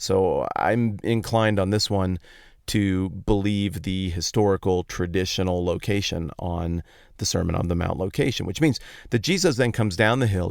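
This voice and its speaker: A man's voice: fairly low pitch, vocal fry, no echo, clean studio sound. A man hosting a podcast, giving a casual, conversational Bible teaching talk in informal, explanatory language. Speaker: podcast host.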